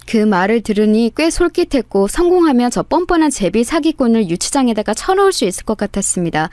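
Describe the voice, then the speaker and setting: Expressive high-voiced woman storyteller. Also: dry recording, clean studio sound. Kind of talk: scripted first-person story narration.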